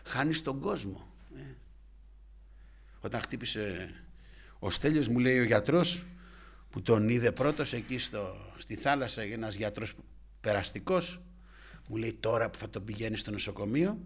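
A man preaching a sermon with fervent delivery, swinging from hushed asides to loud exclamations and often adding short interjections. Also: lowish voice, lively intonation, pauses often.

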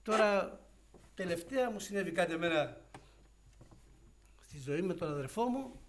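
Fervent high-voiced male preacher. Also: expressive, slight background noise. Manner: swings from hushed storytelling to loud fervent exclamations; acts out dialogue in quoted voices. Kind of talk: evangelical sermon.

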